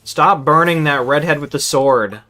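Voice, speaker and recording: A man's voice: a little high, moderate pace, bright, forceful tone. A man streaming a game with casual, exasperated, sweary running commentary, often stammering over repeated words. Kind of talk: casual live gameplay commentary. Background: game music.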